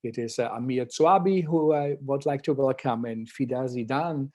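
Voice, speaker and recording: A man's voice: mid-range voice, normal speed, a little mellow. A man hosting a livestreamed interview, asking questions hesitantly and with many fillers and restarts. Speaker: host. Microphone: video call.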